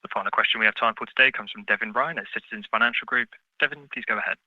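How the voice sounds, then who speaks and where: A man's voice: on the low side, rapid-fire, dry recording. A man working as a conference call operator, formally announcing the next caller. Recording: dull, dry phone-call audio.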